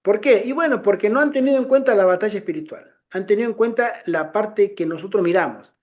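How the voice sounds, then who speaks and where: A middle-aged man giving an informal testimony to a congregation, telling a story in an animated way and acting out the voices of the people he quotes. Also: sits high, brisk, highs cut off. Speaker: lay ministry speaker.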